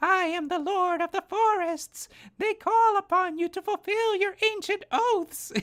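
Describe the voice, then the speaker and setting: The voice is a put-on character. Its pitch is pitched extremely high. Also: moderate pace. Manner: grandiose, dramatic.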